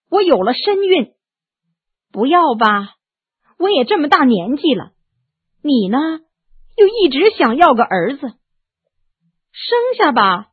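A woman's voice: sits high, slightly rough, exaggerated voice. A woman voicing a shrewd, aging brothel madam in a storybook reading, sighing and worldly, tough under the weariness. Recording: tinny narrow phone-like sound, dry.

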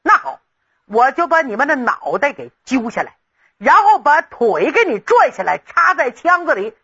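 A woman's voice: high voice, sing-song, normal speed, sharp tone, dull audio, exaggerated voice. A woman storyteller voicing a hotheaded, rowdy young nobleman who blusters and makes bossy threats. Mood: threatening.

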